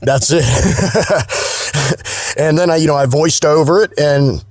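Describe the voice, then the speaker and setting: A man's voice: a little high, takes it slowly, dry recording, clean studio sound. A man with a Southern US accent chatting casually as a podcast guest, folksy, colloquial and salty in his wording. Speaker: guest, voice-over artist.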